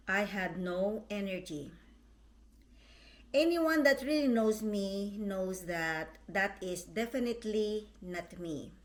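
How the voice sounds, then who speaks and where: A middle-aged woman from the Philippines, slowly and carefully reading a prepared personal statement as a vlog host. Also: mid-range voice. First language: Tagalog.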